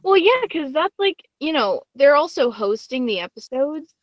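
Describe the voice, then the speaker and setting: A woman's voice: high voice, big pitch swings, normal speed, no echo. A woman guest hosting a podcast in casual conversation, recorded over a slightly lo-fi group voice chat.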